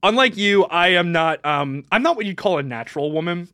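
A woman's voice: lowish voice, animated, brisk, a bit bright, no room sound, clean studio sound. A young adult woman co-hosting a casual podcast, rambling and self-deprecating, laughing often. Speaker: podcast co-host. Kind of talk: casual chat.

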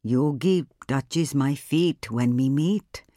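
A woman voicing a gentle, weary older Indian husband in an audiobook, speaking softly and with measured care. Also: very deep voice, no echo, clean studio sound. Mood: soft, defensive. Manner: soft-spoken, measured. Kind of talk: audiobook character dialogue.

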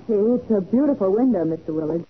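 Animated, curious radio-drama secretary. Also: female voice, mid-range voice, normal speed, husky. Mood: inquisitive. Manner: exclamatory, inquisitive. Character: curious, impressionable female detective's secretary. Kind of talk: 1940s radio acting. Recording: thin, narrow 1940s radio recording.

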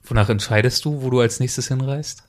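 Ein Mann als Podcast-Moderator, der ruhig und gemessen seine Interviewfragen stellt. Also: male voice, mid-range voice, fairly quick. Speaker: podcast host. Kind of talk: interviewer questions.

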